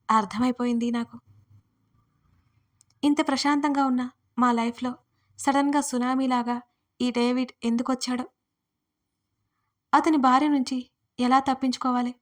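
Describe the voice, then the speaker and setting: A woman author reading her own first-person audio story aloud. Her narration is scripted and steady, with a fairly high voice. The pitch stays narrow and even throughout.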